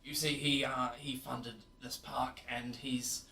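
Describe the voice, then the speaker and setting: A man's voice: mid-range voice, little pitch movement, slow pace, vocal fry, bright, forceful tone, pitched below the performer's own voice, full character voice. A man voicing a flustered museum director trapped in his office, polite and a little bumbling. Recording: roomy, distant mic.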